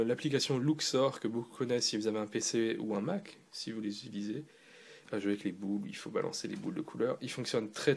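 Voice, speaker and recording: Casting: man, casual gadget reviewer, gravelly edge, rambling delivery. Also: medium pitch. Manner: loose and rambling, with fillers and restarts. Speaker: tech reviewer.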